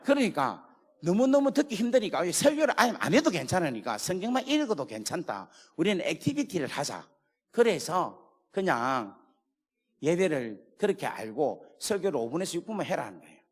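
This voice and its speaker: A man with a Gyeongsang accent preaching a sermon in a church, telling stories and swinging from hushed asides to shouts. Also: a little high, very animated, moderate pace, husky. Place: church sanctuary. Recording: long hall reverb.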